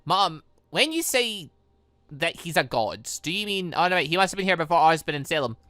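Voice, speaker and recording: A man voicing an excitable, impatient, naive young huntress from a visual novel, blurting and exclaiming. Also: on the high side, a little fast, no echo. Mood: puzzled.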